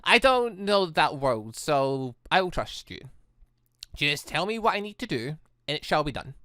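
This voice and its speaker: Teenage sweetheart for a visual novel game, voiced by a let's player: easygoing, devoted, bright-toned. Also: medium pitch, sing-song, unhurried, dry recording, studio quality.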